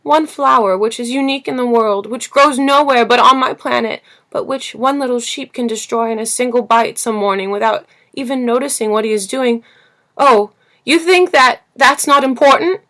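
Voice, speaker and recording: A woman's voice: fairly high pitch, moderate pace, a bit bright, pitched above the performer's own voice. A woman voicing an earnest, passionate little boy prince in a storybook reading, speaking insistently and emphatically. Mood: furious, insistent. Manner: insistent, emphatic, rhetorical questioning. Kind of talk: storybook character voice in audiobook reading.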